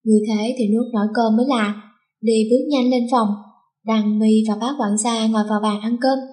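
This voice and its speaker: A woman narrating a story aloud, switching between calm narration and sharp quarrelling dialogue. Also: on the high side, moderate pace. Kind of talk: storytelling narration with character voices.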